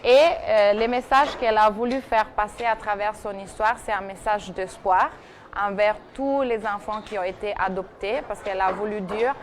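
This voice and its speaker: A woman presenter tells a story in a TV studio, talking at a middling pitch. She hesitates often with fillers and restarts. A faint noise sits behind her voice. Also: fairly even intonation, normal speed. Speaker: TV segment presenter. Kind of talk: recounting a guest's story on a TV talk show.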